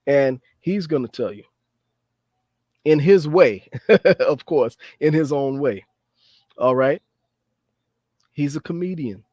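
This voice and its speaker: A man's voice: a little high, animated, slow, pauses often, darkish tone, no room sound. A man hosting a talk show in an earnest, repetitive way, often adding "you know" and "okay". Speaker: podcast host. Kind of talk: casual commentary. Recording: dry, dull lo-fi sound.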